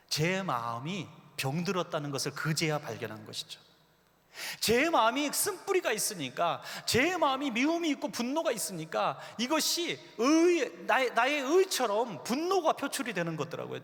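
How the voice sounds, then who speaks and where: A man preaching a revival sermon as a pastor, telling stories and acting out quoted voices with lively swings. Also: high-pitched. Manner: animated storytelling preacher, acts out quoted voices. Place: church sanctuary. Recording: long church hall reverb.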